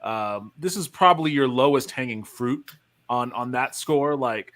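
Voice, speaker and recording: A man's voice: medium pitch, measured pace, a bit bright. Man, stream panelist, hesitant, filler-heavy, thoughtful. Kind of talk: live stream discussion.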